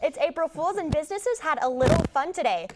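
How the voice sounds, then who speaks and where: A woman's voice: high voice, expressive, a little fast, very noisy. A young woman anchoring a student newscast, reading lighthearted stories in an amused manner. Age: young adult. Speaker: news anchor.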